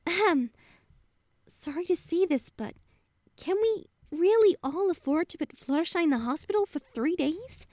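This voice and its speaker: An actress playing a chatty, friendly pony mare in a fan radio drama. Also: female voice, extremely high pitch, lively intonation, moderate pace, darkish tone, dry recording. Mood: musing.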